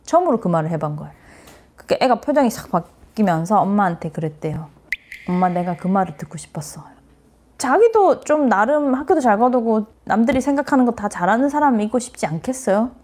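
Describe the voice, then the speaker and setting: A woman's voice: on the high side, lively intonation, fairly quick, darkish tone. A middle-aged woman psychiatrist giving a parenting lecture, speaking earnestly, acting out what parents and children say and mixing in English phrases.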